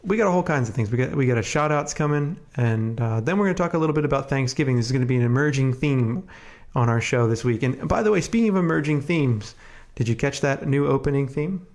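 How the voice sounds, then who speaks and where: A man with a cold co-hosts a casual podcast, his voice congested and sniffly. His delivery is relaxed and chatty, full of little fillers as he runs through the show. His voice sits at an ordinary middle pitch. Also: quick pace, hardly any pauses. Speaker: podcast co-host.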